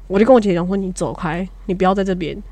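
A young Taiwanese woman talks quickly in casual podcast chat. Her manner is blunt and fiery, and she often laughs through her stories. The sound is close and dry, with no room echo. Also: fairly low pitch, mellow. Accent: Taiwanese Mandarin. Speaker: podcast co-host, younger sister.

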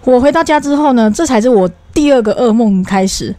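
A young woman chats as a podcast co-host, rattling off a story at a quick clip. Her voice sits on the higher side, and she sounds animated and fed up. The sound is close and dry. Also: no echo. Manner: animated, swearing, exasperated retelling. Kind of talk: casual storytelling chat.

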